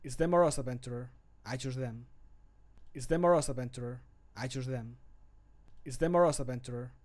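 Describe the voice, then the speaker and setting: A man voicing a grave, stoic fantasy adventurer in measured, solemn game voice lines. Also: medium pitch, darkish tone, close to an everyday voice. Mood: resolute.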